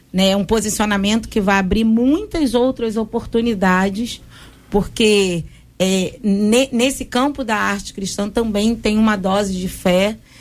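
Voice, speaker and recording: Talking at a fairly slow pace, a woman uses an ordinary speaking voice, fairly high in pitch, with fairly even intonation. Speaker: state culture secretary.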